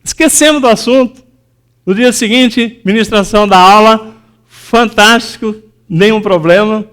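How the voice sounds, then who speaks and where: A man's voice: high voice, a little slow, a bit bright, clear, resonant tone. A man preaching a sermon in a church, telling a personal story with many fillers and restarts, and acting out the voices of people he quotes. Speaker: pastor.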